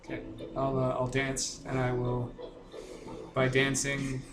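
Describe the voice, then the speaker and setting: A man's voice: medium pitch, monotone, slow pace. A man playing a tabletop game, chatting casually and speaking for his character. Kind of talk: casual chat and in-character play. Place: indoor room with other players. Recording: echoey room with clear background noise.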